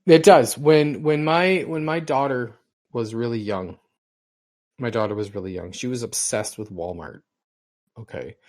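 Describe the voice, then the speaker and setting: A man's voice: medium pitch, unhurried, darkish tone. A middle-aged man co-hosting a casual podcast, telling long rambling stories and often repeating himself. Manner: rambling storyteller, repeats and restarts words. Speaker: podcast co-host.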